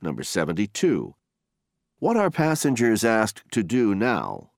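A man narrates a listening exam in a lowish voice. He reads instructions and numbered questions formally and deliberately, with strongly swooping intonation, recorded very dry. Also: wildly swooping pitch, creaky, no echo. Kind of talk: scripted test instructions.

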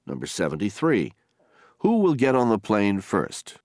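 A man narrates a listening exam in a lowish voice. He reads instructions and numbered questions formally and deliberately, with strongly swooping intonation, recorded very dry. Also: wildly swooping pitch, darkish tone, no echo. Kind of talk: scripted test instructions.

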